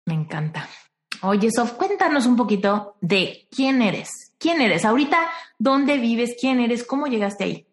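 A woman's voice: on the high side, animated, measured pace. Woman host asking friendly questions. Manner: friendly, short prompting questions. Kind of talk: conversational interview.

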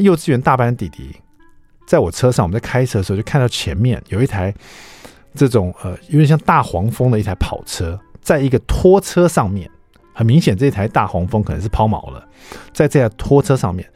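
A middle-aged radio host tells family stories in a relaxed, chatty manner. His medium-pitched voice is lively and animated, rising and falling freely. The close studio mic gives a dry sound, with faint music under it. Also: dry recording. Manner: chatty storyteller who drops English words into his speech. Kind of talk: casual radio chat, telling anecdotes.

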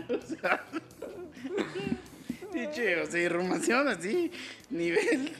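A man's voice: very high voice, sing-song, drawn-out words, vocal fry, over loud music. A Mexican man in playful, crude banter with friends, teasing and laughing often.

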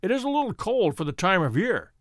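A man voicing a calm, imperturbable detective who speaks with dry wit. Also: high-pitched, a little fast, dry recording. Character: cool, witty adult male detective, calm and bland.

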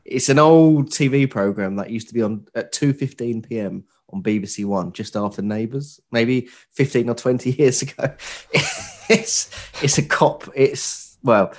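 A young man co-hosting a casual podcast, nasal from a cold, relaxed and wry, often trailing off quietly. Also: medium pitch, moderate pace. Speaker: podcast co-host. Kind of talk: casual chat.

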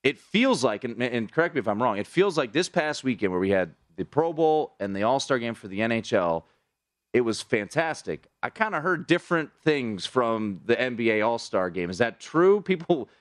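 A man hosting a casual sports talk panel, animated and asking his guests questions. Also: mid-range voice, moderate pace, no room sound, clean studio sound. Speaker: host.

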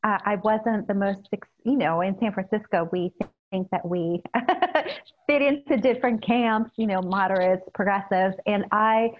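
A woman's voice: mid-range voice, a little slow. Earnest woman on a tinny phone line. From El Salvador. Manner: earnest, frequent fillers and soft laughs. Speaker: newly elected city supervisor. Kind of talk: casual interview answers.

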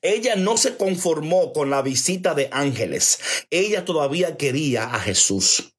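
A man preaching a sermon, emphatic, repeating phrases for stress and turning to his listeners with quick "okay?" check-ins. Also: fairly high pitch, expressive, slightly rough. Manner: addresses listeners directly, checks in with "ok?".

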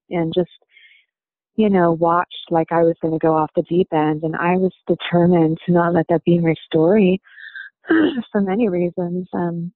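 An American woman with a lowish voice shares a personal story as an interviewee, speaking in a level, even tone that hardly rises or falls. She is reflective and halting, filling pauses with "you know." The sound is dry, thin, and tinny like a phone, with no room echo.

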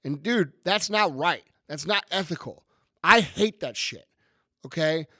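A man hosting a podcast, hoarse and raspy from losing his voice, delivering a blunt, profane motivational rant. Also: on the high side, expressive, unhurried, bright, forceful tone, dry recording, studio quality. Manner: blunt, emphatic, swearing freely. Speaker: podcast host.

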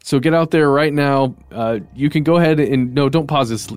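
A man's voice: on the high side, moderate pace, darkish tone, clear, resonant tone. A man co-hosting a podcast, chatting casually with a guest and the listeners. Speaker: podcast co-host. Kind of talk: casual conversational interview.

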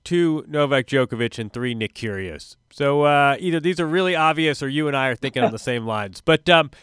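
A man's voice: mid-range voice, animated, a little fast, a bit bright, smooth, no room sound, clean studio sound. A man in his forties hosting a tennis podcast, chatty and wry, sounding a little stuffy from a cold. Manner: chatty, self-interrupting, wry asides. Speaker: podcast host.

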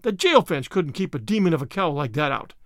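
A man's voice: on the high side, sing-song, a little fast, fairly bright tone, no room sound, studio quality. Guy putting on a blustering angry farmer, spluttering, voice shooting way up and swinging all over. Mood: scathing. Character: irate stout bald middle-aged male farmer.

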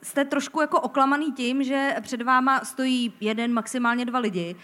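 A woman's voice: high voice, fairly bright tone. A woman co-hosting a live film podcast on stage, speaking hesitantly and with many fillers. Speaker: podcast co-host, film critic.

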